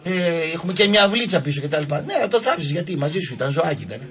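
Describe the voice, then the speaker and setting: A man telling comic anecdotes on a radio show, acting out voices in his stories. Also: fairly high pitch. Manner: animated, acts out voices in anecdotes. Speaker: radio show guest storyteller. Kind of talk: casual comic storytelling. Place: radio studio.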